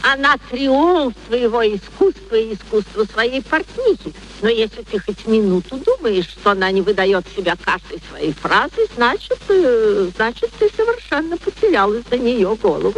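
A woman in a radio play acting a refined, sensible older mother with a dry, gently reproving manner. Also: on the high side, sing-song, moderate pace, few pauses, poor audio. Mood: wry reproof. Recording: faint noise, archive radio drama.

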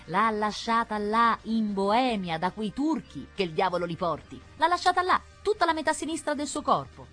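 A woman's voice: mid-range voice, moderate pace, few pauses, soft background music, pitched above the performer's own voice. A woman reader voicing an old village nurse who fusses, scolds and chatters. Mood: mocking. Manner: fussing, scolding, lively.

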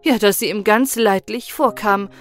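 A woman narrating a fairy-tale audiobook in a calm, measured storytelling voice. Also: medium pitch, faint music behind.

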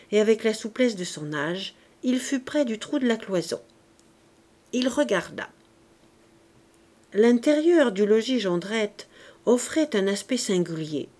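Woman reading a novel aloud, measured. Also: on the high side, a little mellow. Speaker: audiobook reader. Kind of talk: scripted narration.

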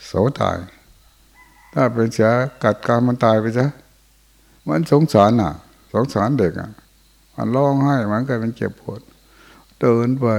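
A man's voice: mid-range voice, gravelly, darkish tone. An older man, a Buddhist monk, giving an informal dharma talk in a monastery hall, telling folksy stories and often chuckling.

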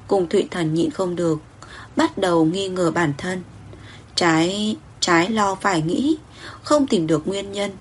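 A woman narrating a romance story in a steady, even reading. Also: lowish voice, a little hiss or hum.

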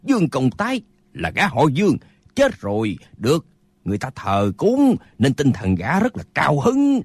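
A man's voice: on the high side, huge pitch swings, moderate pace, breathy edge, dry recording, clean studio sound, exaggerated voice. A man voicing a pompous old martial-arts eccentric who lectures smugly and praises his own wisdom. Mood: smug, lecturing. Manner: smug, lecturing.

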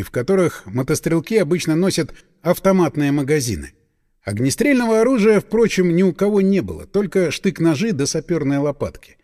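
A male audiobook narrator with a fairly high, very lively voice that rises and falls dramatically. His reading sits in a long, lingering hall reverb.

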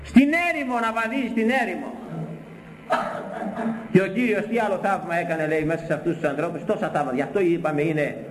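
A man's voice: fairly high pitch, pauses often, echoey room, background noise. An older man from Greece, a priest preaching a sermon, who repeats his points and keeps asking the listeners questions. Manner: repetitive, emphatic preaching with rhetorical questions.

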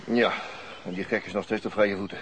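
A practical, take-charge policeman with a fairly low voice, performed by a man. The delivery is firm radio acting, and the recording has audible noise. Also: steady tone, a little fast, close to an everyday voice. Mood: grim, practical.

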